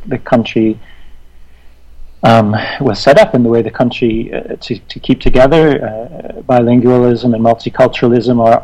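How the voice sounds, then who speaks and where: A man from Western Canada, talking reflectively in conversation, thoughtful and halting with many restarts. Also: mid-range voice, dark tone, low-quality recording.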